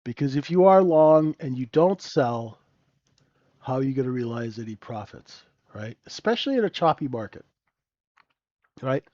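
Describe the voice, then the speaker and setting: A man's voice: medium pitch, expressive, normal speed, pauses often, darkish tone, dry recording, dull audio. A man hosting a live trading room, talking through the chart with a stuffy, nasal voice and sniffling, keeps asking "right?".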